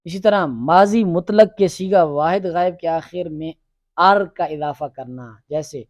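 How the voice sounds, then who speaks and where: A male teacher runs a grammar lesson, drilling students with rapid questions and having them repeat forms back to him. His voice sits a little high and comes across close and dry, free of room echo.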